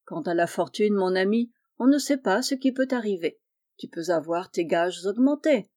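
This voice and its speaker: A kind, wealthy gentleman painter speaks gently and reassuringly to the young men he looks after, as a woman narrator puts him on. The tone is mellow and warm, and his reading has the calm of a storybook. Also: mid-range voice, normal speed, natural voice. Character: kind wealthy middle-aged male painter, benefactor.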